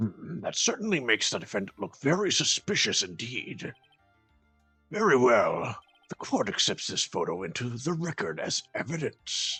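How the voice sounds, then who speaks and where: With faint music in the background, a man does a gruff put-on character voice at fairly high pitch and a moderate pace. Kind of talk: formal, courtroom. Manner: gruff, tough.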